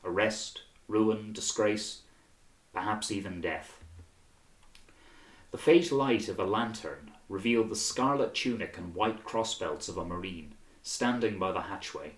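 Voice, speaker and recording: A man's voice: on the low side, expressive, a little slow. A man reading a novel aloud as scripted audiobook narration. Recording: roomy, reverberant sound.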